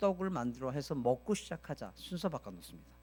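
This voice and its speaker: This man speaks with lively intonation. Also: very clean recording, silent background. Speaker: senior pastor. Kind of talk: sermon. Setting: church. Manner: fast.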